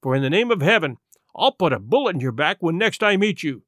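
A man's voice: fairly high pitch, big pitch swings, a little fast, fairly bright tone, no room sound, studio quality. A man voicing a stern, defiant and honourable sea captain with commanding, emphatic delivery, for an audiobook. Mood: stern defiance. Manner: commanding, emphatic, clipped declarations.

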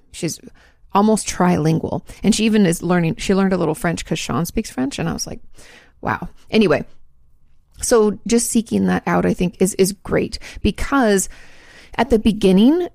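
Woman therapist chatting on her podcast, bit of vocal fry, dry close sound. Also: on the low side, a little mellow, dry recording. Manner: chatty, self-correcting, laughs at own slips. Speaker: podcast host, marriage and family therapist. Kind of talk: casual chat answering listener questions.

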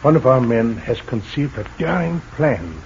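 Polite young underground leader, formal talk, old muffled radio with hiss. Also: male voice, medium pitch, very animated, normal speed, a little mellow. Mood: earnest. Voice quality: formal, courteous. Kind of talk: 1940s radio acting. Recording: dull old radio recording, faint hiss.

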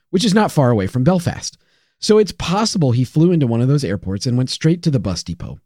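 Male co-host, careful wry narrator, warm mellow voice, dry close mic. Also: mid-range voice, no echo. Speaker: podcast co-host. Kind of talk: true crime podcast narration.

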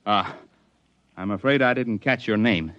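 An actor playing a mountain climber who narrates the story and trades wry jokes, in a radio drama. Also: male voice, fairly low pitch, unhurried, fairly bright tone, no room sound, lo-fi sound. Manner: wry, joking.

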